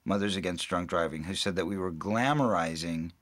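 A man, an actor looking back on making a film in a relaxed interview, chatty and quick to laugh, acting out what others said. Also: low voice, no room sound. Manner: chatty, laughs often, acts out quoted people.

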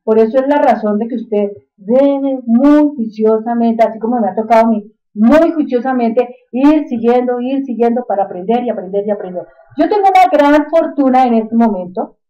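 Female online tutor, Colombian Bogotá accent, high pitch, gentle dark tone, informal motivational delivery with emphatic repetition. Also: moderate pace, few pauses, muffled recording. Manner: emphatic, repeats phrases for stress, addresses listener directly. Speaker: online software instructor. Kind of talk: informal motivational talk to students in a screen-recorded tutorial.

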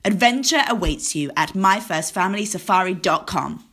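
A woman's voice: medium pitch, animated, normal speed, a bit bright. A woman voice-over artist reading scripted advert narration.

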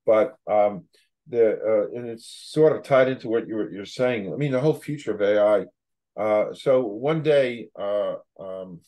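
A man's voice: fairly low pitch, a little slow, warm tone, poor audio. An older man hosting a casual interview, rambling and emphatic, repeating words as he goes, on a video call from a home office. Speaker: show host.

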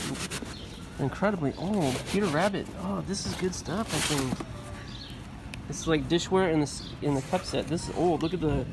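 A man's voice: a little high, noisy background. A man in his forties chatting casually and curiously as he sorts through boxes of old items outdoors, talking over what each might be worth. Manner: chatty, curious, appraising finds aloud. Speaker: storage locker reseller, channel host. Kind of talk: casual unboxing chat. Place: outdoors on a sunny trailer by storage units.

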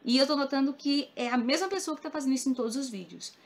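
Earnest Northeastern Brazilian woman, higher voice. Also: quick pace. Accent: Northeastern Brazilian, from Ceará. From Cariri region of Ceará, northeastern Brazil. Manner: earnest and emphatic, repeats points for stress. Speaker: crochet YouTuber. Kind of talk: casual talk to the camera.

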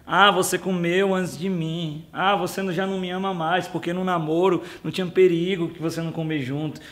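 A man mimicking his wife as she scolds and whines at him, in his own gravelly voice. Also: sits high, level tone, fairly quick, a bit bright. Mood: scolding. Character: his nagging, pouting wife, middle-aged woman.

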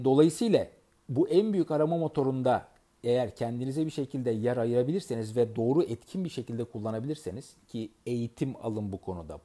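A man giving earnest, advising talk to his audience as a network marketing trainer, pausing often with fillers and restarts. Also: mid-range voice, mellow. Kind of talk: advice monologue to an audience.

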